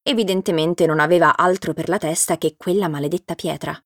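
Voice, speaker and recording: A woman narrating a children's storybook in a steady, clear reading voice. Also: fairly low pitch, a little fast, dry recording, clean studio sound.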